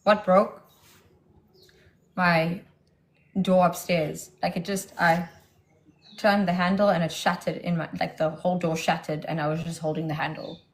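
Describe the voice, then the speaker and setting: A woman's voice: on the low side, little pitch movement, a little slow, long pauses. A woman hosting a casual livestream, answering a caller with defiant, mocking comebacks. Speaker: livestream host.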